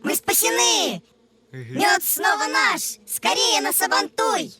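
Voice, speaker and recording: A woman voicing a small, timid but good-hearted bee in a children's cartoon, excitable and emphatic. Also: very high-pitched, takes it slowly, background noise, exaggerated voice. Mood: jubilant. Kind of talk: animated children's cartoon acting. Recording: loud music under the voice.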